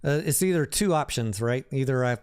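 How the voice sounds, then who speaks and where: A man's voice: mid-range voice, lively intonation, brisk, darkish tone, smooth. A man hosting a livestream, talking casually about the stock market and answering viewers by name in a conversational way.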